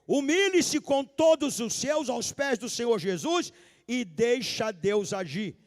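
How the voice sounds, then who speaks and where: A pastor preaching a sermon at a live service, emphatic and repetitive, calling out to the congregation. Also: male voice, extremely high pitch, expressive, slow pace. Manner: emphatic preaching, repeats key lines, calls out to the congregation. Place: large church sanctuary, live service. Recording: long hall reverb of a church.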